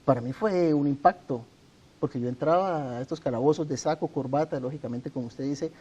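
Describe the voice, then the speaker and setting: A middle-aged Colombian man speaks in a very dark, mellow voice, measured and earnest as a TV interview guest. The sound is a little dull and lo-fi, like an older broadcast capture. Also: a little high, husky. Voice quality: measured, earnest, formal address. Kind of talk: sit-down TV interview.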